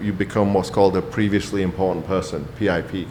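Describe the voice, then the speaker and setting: Noticeable background noise is present throughout. The man's voice has a fairly low pitch. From northern England. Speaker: former tech entrepreneur. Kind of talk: casual podcast interview. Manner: laid-back.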